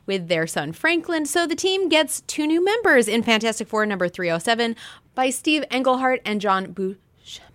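High-pitched, playful woman podcast host. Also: big pitch swings, moderate pace, a bit bright, no room sound. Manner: playful, giggly, jokey asides. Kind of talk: playful comics chat podcast.

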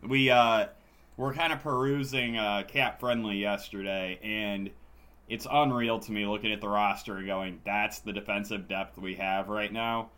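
A man's voice: on the low side, steady tone, moderate pace, sharp tone. A hungover man co-hosting a casual sports podcast, talking in a dry, sardonic way. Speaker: podcast host.

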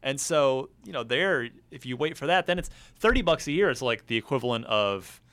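Male podcast host, bright forceful tone, mid pitch, explanatory and conversational. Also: animated, a little fast. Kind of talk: casual panel chat about video games.

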